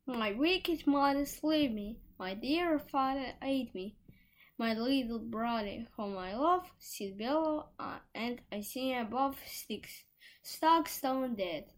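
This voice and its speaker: A woman's voice: on the high side, steady tone, takes it slowly, voice pushed up, poor audio. A woman voicing a little white songbird, the spirit of a murdered girl, in a lilting singsong chant. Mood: mournful chant. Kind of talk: storybook reading.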